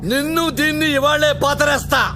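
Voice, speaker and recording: A blustering, threatening older dad. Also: male voice, very high-pitched, little pitch movement, brisk. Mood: ranting, threatening. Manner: shouting, boastful threats. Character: loud menacing older father, blustering threats. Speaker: father of the hero. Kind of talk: Telugu film comedy acting. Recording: film soundtrack with music.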